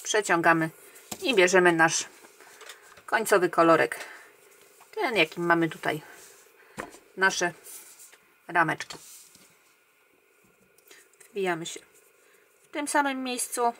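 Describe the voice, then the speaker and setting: Slow, calm woman counting crochet stitches. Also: lowish voice. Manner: calm, counting stitches aloud, often trailing off quietly. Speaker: crochet tutorial host. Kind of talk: step-by-step crochet instruction.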